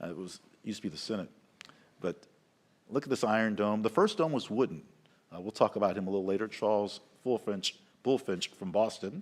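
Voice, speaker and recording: Speaking at a very fast pace yet with long, frequent pauses, a man uses a fairly low pitch with ordinary variation and big swings in loudness. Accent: Southern US. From US South. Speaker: Capitol tour guide. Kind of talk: live commentary. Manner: halting.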